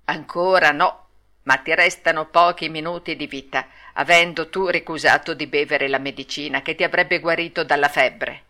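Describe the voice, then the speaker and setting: A woman's voice: low voice, fairly even intonation, moderate pace, bright, forceful tone. A woman reading an audiobook and voicing grim black rabbits carrying a coffin, blunt and grumbling. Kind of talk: audiobook read-aloud.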